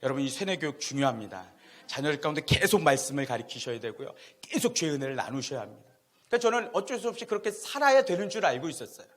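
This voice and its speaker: A middle-aged man preaching a sermon as a pastor, telling a personal story with a loud voice, swinging between loud exclamations and hushed asides. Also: fairly high pitch, fast. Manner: animated, swings from loud to hushed, laughing at himself. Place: church sanctuary.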